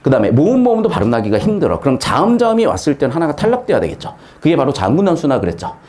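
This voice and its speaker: A middle-aged man teaching grammar in a casual lecture, asking rhetorical questions and dropping blunt slangy asides. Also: very fast. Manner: lively, swings pitch widely, asks rhetorical questions, blunt slangy asides. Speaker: Korean grammar tutor.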